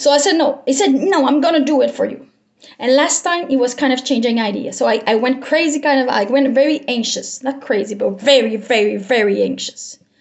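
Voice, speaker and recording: With a Quebec accent, a woman speaks at a fairly quick pace and a high pitch, her loudness very even and her pitch variation ordinary. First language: French. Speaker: vlogger. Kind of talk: personal video diary. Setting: recorded on cellphone. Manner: halting, self-correcting.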